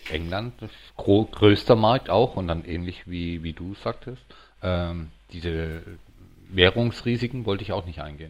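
With big swings in loudness, a man with a very deep, low pitch talks at a fairly slow pace. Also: ordinary pitch variation. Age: 50s. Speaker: self-employed restaurateur and private investor. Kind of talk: casual chat.

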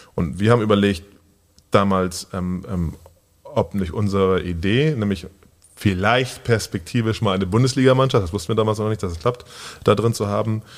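A fairly low-pitched man's voice with ordinary pitch variation and long, frequent pauses. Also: moderate pace. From Hamburg-Wilhelmsburg, northern Germany. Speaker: former pro basketball player, club founder and manager. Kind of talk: interview. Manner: hesitant, many fillers.

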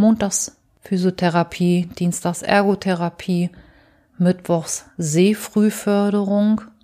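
Speaking at a very slow pace, a woman with a fairly low pitch and a dark, mellow tone keeps a monotone, flat intonation. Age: 40s. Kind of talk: interview.

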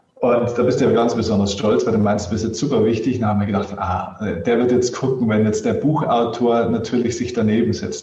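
A man of medium pitch talks at a fairly quick pace, with noticeable background noise and audible room echo. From Lower Bavaria, Germany. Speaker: mental coach and author. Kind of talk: interview conversation.

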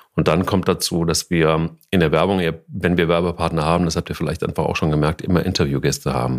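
With fairly even intonation, the speech rushes along at a very fast pace. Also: man. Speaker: dog podcast co-host. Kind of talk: casual chat.

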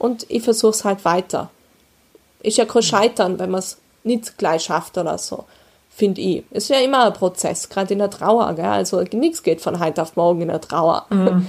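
A woman's medium-pitched, plain, everyday voice at a moderate pace, with ordinary pitch variation. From Austria, North Tyrol. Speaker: personal trainer and grief counselor. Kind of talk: interview. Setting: video call.

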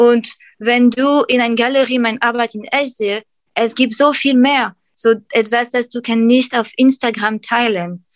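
Speaking at a fairly slow pace, a woman keeps her high pitch at a fairly even intonation. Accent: French. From France. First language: French (speaking German). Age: 30s. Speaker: painter. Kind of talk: interview. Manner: halting.

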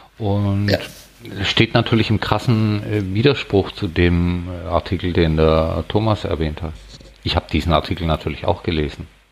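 Amid noticeable background noise, a man speaks at a moderate pace in a very deep, low pitch with ordinary pitch variation. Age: 50s. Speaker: restaurant owner and private investor. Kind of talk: casual chat.

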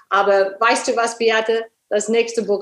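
In an English accent, a woman talks with a fairly high voice. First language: English (speaking German). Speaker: business mentor. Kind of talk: casual interview. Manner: halting.

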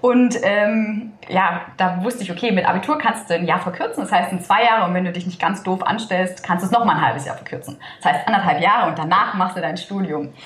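A woman's medium-pitched voice at a fairly quick pace, with hardly any pauses and ordinary pitch variation, plus audible room echo and noticeable background noise. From eastern Germany, Upper Lusatia (Saxony). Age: 30s. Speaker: midwife. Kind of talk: casual interview. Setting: kitchen at home.

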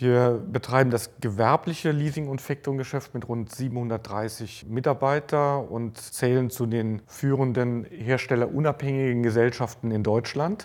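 An ordinary speaking voice at a fairly slow pace, with ordinary pitch variation and hardly any pauses. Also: man, medium pitch for a man. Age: 50s. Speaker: managing director of a leasing company. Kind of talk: business interview.

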